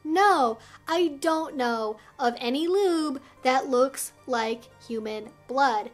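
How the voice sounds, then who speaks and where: A woman's voice: high voice, slow pace, soft background music. A woman hosting an explainer vlog, speaking straight to viewers with careful, emphatic phrasing. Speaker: video host and educator.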